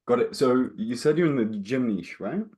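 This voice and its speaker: A man's voice: mid-range voice, lively intonation, moderate pace, dark tone. Chatty man hosting a casual interview. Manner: friendly, chatty, swears casually. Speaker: interview host.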